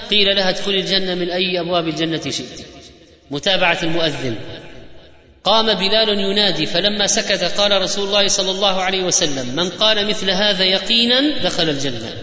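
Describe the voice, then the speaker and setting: A man giving a religious lecture, rattling off quoted sayings in a lively preaching cadence. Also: sits high. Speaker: Islamic preacher. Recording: echoey hall, dull lo-fi sound.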